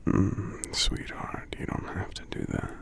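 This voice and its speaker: A man voicing a gentle, congested giant lover in an intimate ASMR roleplay, murmuring softly and tenderly with small hums between phrases. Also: unhurried, close to an everyday voice. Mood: grateful, tender. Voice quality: congested, stuffy, breathy half-whisper. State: congested from a cold. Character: gentle sick male giant, tender romantic partner.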